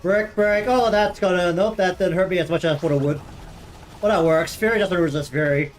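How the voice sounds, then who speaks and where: Male gaming host, high voice, chatty and joking, casual swearing, faint music under. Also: fairly quick. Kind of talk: casual let's-play commentary.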